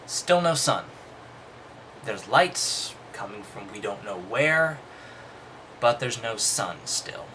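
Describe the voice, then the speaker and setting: A man's voice: on the low side, expressive, takes it slowly, long pauses, bright, forceful tone, a little hiss or hum, low-quality recording. A man reading a text aloud and commenting casually, with dry, skeptical, dismissive asides. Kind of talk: casual commentary between read-aloud passages.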